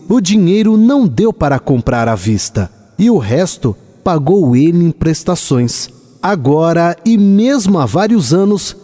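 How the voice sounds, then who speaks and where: Slow, bright-voiced Brazilian male storyteller. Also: on the high side. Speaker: narrator of a radio drama. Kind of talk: scripted literary storytelling narration.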